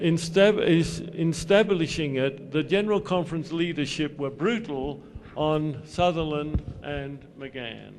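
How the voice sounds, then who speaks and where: Slow Australian preacher, older man. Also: fairly high pitch, a little mellow. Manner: slow, measured storytelling in short phrases. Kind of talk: sermon delivered through an interpreter.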